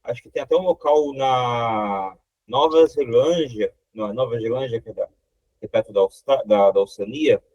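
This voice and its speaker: A Brazilian man hosting a relaxed chat, wandering through a thought and restarting words as he goes. His voice sits at an ordinary pitch. The sound is dry and close, as on a video call. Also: moderate pace, no echo, dull audio. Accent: Brazilian Portuguese. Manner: rambling with restarts. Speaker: interview host. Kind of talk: casual interview chat.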